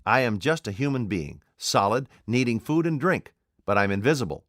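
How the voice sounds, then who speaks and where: A man's voice: medium pitch, animated, moderate pace, fairly bright tone, no room sound, studio quality, natural voice. A man voicing an invisible man in an audiobook, speaking in a curt, imperious, cold way. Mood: menacing. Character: commanding, desperate invisible man, adult male. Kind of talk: audiobook character voice.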